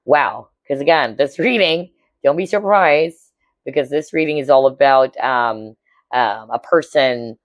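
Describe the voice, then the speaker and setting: A woman with a hoarse, cracking voice giving a casual tarot reading to viewers, chatty and often checking in with her listeners. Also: extremely low pitch, a little slow, no room sound. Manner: chatty, keeps checking in with "all right?" and "okay?". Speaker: tarot reader.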